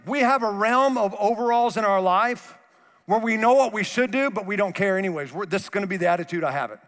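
Pacing the stage of a big church auditorium, a man in his thirties preaches through a headset microphone, gesturing broadly with animated energy. At key moments the pastor lowers his voice to a soft, low tone for emphasis. Faint music plays, and the hall echoes.

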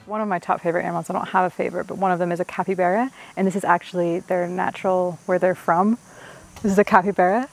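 A woman's voice: lowish voice, fairly even intonation, quick pace, creaky, faint music behind. A young woman vlogging on a trip through the rainforest, chatty and playful, poking fun at herself. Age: young adult. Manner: chatty, playful, self-mocking. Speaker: travel vlogger. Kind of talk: casual travel vlog. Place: outdoors in a rainforest. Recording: noisy outdoor jungle recording. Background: insects and jungle ambience.

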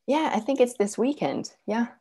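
A woman's voice: a little high, expressive, moderate pace, dark tone, husky. A woman from Serbia, a parenting coach, talking earnestly as a guest, with many fillers and restarts. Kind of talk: casual interview talk.

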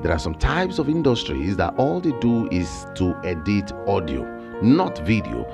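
Speaking at a moderate pace in a low, creaky voice, this thirty-something online income creator with a Nigerian accent lays out ideas for working online, animated and emphatic, his hands moving as he talks. Music plays in the background. The setting is a small home studio indoors, with shelves and plants, and he is close on a big studio mic mounted on a boom.

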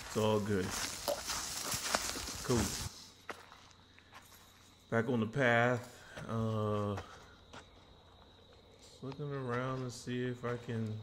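A medium-voiced man narrates as he walks through dry woods and brush. He talks in a chatty, rambling way and corrects himself as he goes. Outdoor noise and rustling from the walk are clearly heard behind him. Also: medium pitch, fairly even intonation, extremely slow, pauses often. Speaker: travel vlogger host. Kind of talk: casual walking-tour commentary.

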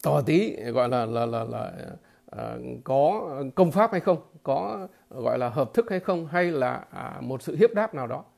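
A man giving a political commentary monologue to his viewers, halting and repeating filler words, emphatic and blunt. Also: medium pitch, expressive, creaky, darkish tone. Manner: emphatic, with blunt crude imagery.

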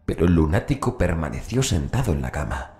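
Very deep male horror audiobook narrator. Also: very animated, a little fast, a little mellow. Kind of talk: scripted horror story narration. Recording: voice over background music. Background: music.

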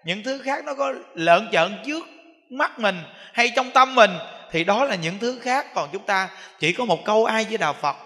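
A man speaking as a Buddhist monk giving a dharma talk with a southern Vietnamese accent, animated and repetitive, acting out everyday examples. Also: high-pitched, moderate pace. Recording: echoey hall.

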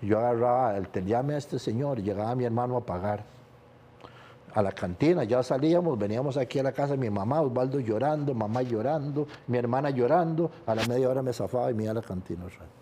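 Older Costa Rican male interviewee, mellow low timbre, candid confessional storytelling with rueful laughs. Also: fast talker, a little hiss or hum. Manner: confessional, laughs through painful memories. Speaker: guest, sports journalist.

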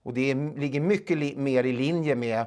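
Swedish man in his 40s, interview guest, halting delivery, lots of fillers, lapel mic. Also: medium pitch, darkish tone. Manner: halting, many filler sounds. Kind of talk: studio interview. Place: small studio.

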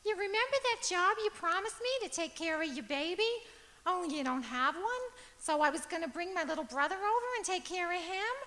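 A woman's voice: extremely high pitch, expressive, fairly quick, sharp tone, exaggerated voice. A woman playing a cheeky, insistent little neighbour girl in an old-time radio comedy. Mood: eager, pestering. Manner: insistent, repeating questions. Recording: echoey auditorium stage.

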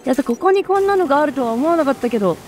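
A woman streamer giving excitable, chatty commentary while playing a video game, full of quick exclamations. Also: high-pitched, soft background music. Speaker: let's play streamer. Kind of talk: live gameplay commentary.

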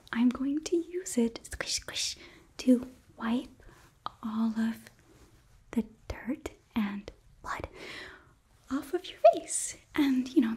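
A young woman playing a sweet, earnest hotel hostess from Hell in a whispered ASMR roleplay, gently coaxing and a little hesitant, close to the microphone. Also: fairly high pitch, slightly rough, heavily acted. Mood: gentle, reassuring. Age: young adult. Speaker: ASMR performer.

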